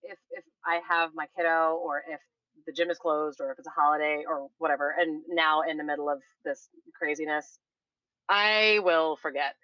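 A woman's voice: low voice, steady tone, normal speed, no room sound, lo-fi sound. A woman from Texas who works as a doula and strength coach, talking casually as a guest with many restarts. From Texas, Houston area. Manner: rambling, with many restarts and "you know". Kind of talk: casual interview chat.

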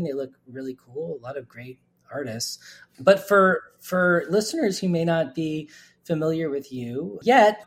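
Husky-voiced male interview host. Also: on the high side. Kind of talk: conversational interviewing.

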